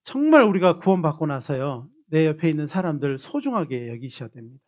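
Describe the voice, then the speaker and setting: A Korean pastor with a fairly high, quick voice and clipped highs animatedly coaxes his congregation to repeat gestures and greet one another before he closes in prayer.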